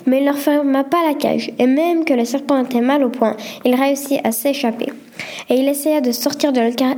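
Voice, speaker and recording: High-voiced woman reading a children's story. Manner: steady reading with occasional slips.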